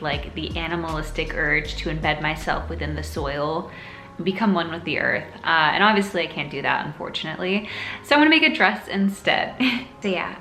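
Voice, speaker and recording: A woman's voice: fairly low pitch, bright, forceful tone. A woman in her twenties chatting casually in a bubbly, playful, hyperbolic way as a sewing vlogger. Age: 20s. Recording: roomy echo, music behind. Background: music.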